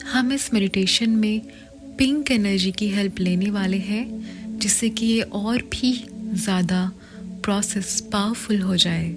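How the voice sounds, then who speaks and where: A woman with an Indian accent guides a meditation in a soft, partly whispered voice, in short measured phrases with long pauses. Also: medium pitch. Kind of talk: guided meditation, slow soothing instruction. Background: meditation music.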